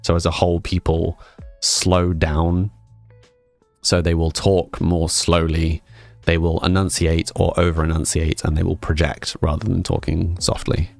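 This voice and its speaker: This young man talks to his stream viewers in a relaxed, rambling manner, reading and answering their messages aloud. His English accent blends north and south; he's from England and has family in Scotland. His voice sits low and creaky at a measured pace, in a dry recording with soft music behind.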